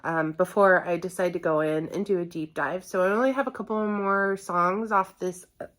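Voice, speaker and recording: A woman's voice: fairly low pitch, steady tone, moderate pace, fairly bright tone. A woman hosting a reaction channel, chatting casually to viewers in a rambling, self-correcting and somewhat apologetic way. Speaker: host of a music reaction channel.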